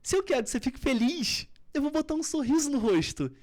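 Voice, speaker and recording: In a podcast interview, a Brazilian woman with a high voice explains public speaking from a coach's perspective, talking quickly. Her delivery is highly expressive, shifting from strong, loud stresses to gentle near-whispers to demonstrate tone.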